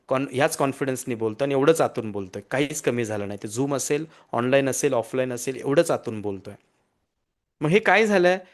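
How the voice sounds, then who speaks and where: A man giving a lively counseling lecture over a video call. He repeats key points, checks in with his listeners often and slips English phrases into his speech. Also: a little high. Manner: energetic, repetitive, mixes in English phrases. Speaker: counselor and hypnotherapist. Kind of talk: motivational online lecture.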